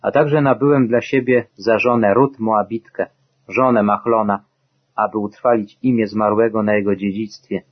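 A man reading the part of Boaz, an older landowner, kind and firm, in a solemn, measured way, in a dull lo-fi recording. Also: lowish voice, slightly rough.

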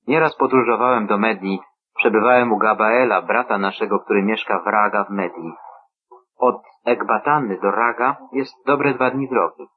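Man reading as calm reassuring angel, measured solemn reading, low husky voice, tinny phone-like sound. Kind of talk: scripture reading.

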